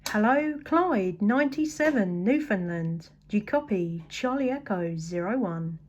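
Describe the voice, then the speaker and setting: A woman's voice: mid-range voice, expressive, a little slow, a little mellow, a little hiss or hum. An English woman chatting casually as a CB radio operator, upbeat and appreciative in manner. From England. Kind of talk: casual radio contact chat.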